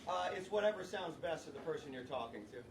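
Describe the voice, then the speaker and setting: A woman's voice: low voice, expressive, fast talker, over a noisy crowd. A woman from Texas in the audience, giving dry, laid-back answers to a comedian. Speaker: audience member. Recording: distant, roomy, noisy audience pickup.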